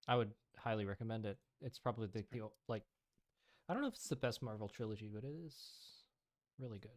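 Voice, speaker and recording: A man's voice: on the low side, fast. A man running a tabletop role-playing game, moving between narration and casual banter as game master.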